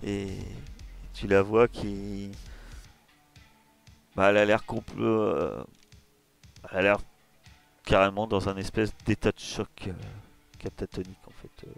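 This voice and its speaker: Slow, low-voiced man running a game. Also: steady tone, vocal fry, smooth, soft background music. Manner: slow, searching, descriptive scene-setting. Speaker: game master. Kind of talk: narrating a tabletop horror game.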